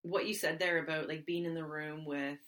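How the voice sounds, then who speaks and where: A woman's voice: sits low, steady tone, fairly quick, fairly bright tone. A woman hosting a podcast, talking earnestly and encouragingly with many ums and likes. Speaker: podcast host. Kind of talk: casual podcast conversation.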